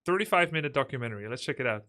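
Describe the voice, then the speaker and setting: A man's voice: medium pitch, lively intonation, racing, bright, forceful tone, faint music behind. A man with a Dutch accent giving casual, chatty reaction commentary over a video he is watching. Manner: chatty, interjecting, amused asides.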